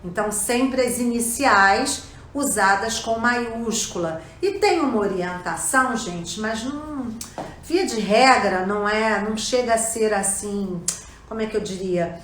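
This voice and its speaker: Slow, didactic Brazilian woman teacher. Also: mid-range voice, a bit bright, slight background noise. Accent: Brazilian Portuguese. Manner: didactic, often checks in with the listener. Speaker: language teacher. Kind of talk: explanatory lesson. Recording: echoey room.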